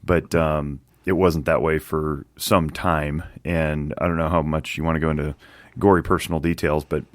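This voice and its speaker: A man's voice: extremely low pitch, level tone, moderate pace, no room sound. A man hosting a podcast interview, chatty and rambling, laughing easily as he talks. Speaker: podcast host. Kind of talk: casual interview chat.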